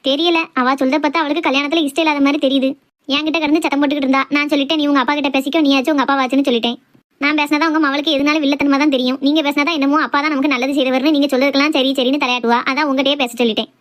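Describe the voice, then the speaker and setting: A woman voicing a sharp-tongued, outspoken village wife and mother in a cartoon family drama, scolding and argumentative with a Tirunelveli Tamil accent. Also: high voice, steady tone. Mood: concerned, insistent. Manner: scolding, argumentative, rapid complaints.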